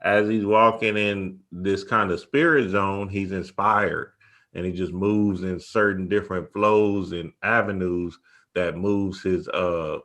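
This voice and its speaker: Low-voiced man in casual spiritual discussion. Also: fairly even intonation, takes it slowly, a bit bright. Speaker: show host.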